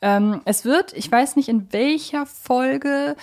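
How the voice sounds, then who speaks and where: A woman's voice: high-pitched, slow pace, a little mellow. A woman hosting a podcast, talking casually in a reflective, explanatory way as she works through her points. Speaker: podcast host.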